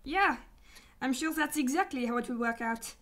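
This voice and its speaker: An actress playing a sassy, sarcastic young detective's assistant in a sci-fi radio drama. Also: female voice, sits high, expressive, moderate pace, fairly bright tone. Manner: sarcastic, teasing.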